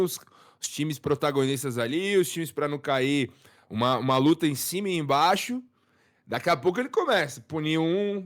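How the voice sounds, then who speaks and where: A man co-hosting a live football talk stream in a casual, slangy, animated way. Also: high-pitched. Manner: slangy, animated, with many fillers. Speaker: co-host commentator.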